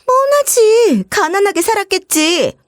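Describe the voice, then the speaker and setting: A woman's voice: extremely high pitch, big pitch swings, normal speed, no room sound, studio quality, pitched above the performer's own voice. A woman voicing a rude, contemptuous young woman who mocks her sister-in-law and whines when she is crossed. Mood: sneering. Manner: mocking, contemptuous.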